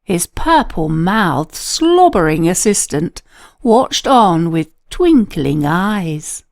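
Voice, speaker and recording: Slow, animated woman reading a storybook. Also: on the low side, dry recording, clean studio sound. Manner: slow, dramatic storytelling with emphatic pauses. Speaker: children's story narrator. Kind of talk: expressive read-aloud storybook narration.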